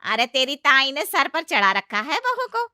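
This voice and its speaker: A woman voicing a loud, sharp-tongued middle-aged aunt-in-law who taunts and scolds. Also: sits high, sing-song, measured pace, dry recording, studio quality, pitched above the performer's own voice, heavily acted. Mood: scolding.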